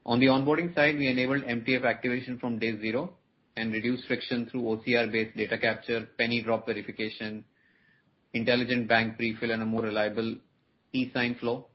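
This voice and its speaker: Monotone man reading formal earnings remarks. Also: mid-range voice, brisk. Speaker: company executive. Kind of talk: scripted earnings presentation. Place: conference call. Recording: muffled conference line, background noise.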